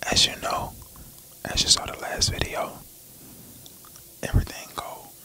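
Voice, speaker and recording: A soft-spoken man whispers at a moderate pace with big swings in loudness, in a dry sound with no echo over light background noise. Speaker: ASMR creator. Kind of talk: ASMR whisper-style casual talk. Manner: soft close-mic ASMR whisper. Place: home room. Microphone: studio mic.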